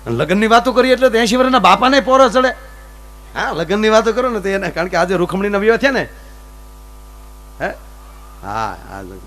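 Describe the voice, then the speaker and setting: A man's voice: high voice, fairly quick, long pauses, faint music behind. A man telling folk comedy stories on stage. He acts out both sides of each conversation. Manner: animated storytelling, acts out both sides of dialogues. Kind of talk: Gujarati stage comedy storytelling.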